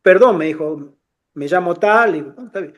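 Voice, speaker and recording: A middle-aged man telling personal stories in a casual conversation, animated, restarting phrases often and acting out the voices of people in his anecdotes. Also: fairly high pitch, moderate pace.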